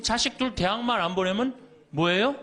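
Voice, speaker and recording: A man's voice: high-pitched, moderate pace. A middle-aged man, a Catholic priest, giving a humorous lecture and quoting people in little voices as he jokes. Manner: lively, joking, quotes people in little voices.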